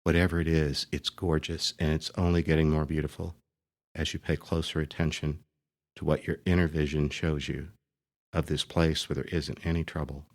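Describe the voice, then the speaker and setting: A man speaking as a priest leading a guided meditation, gently and deliberately, pausing between short phrases. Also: a bass voice, flat delivery.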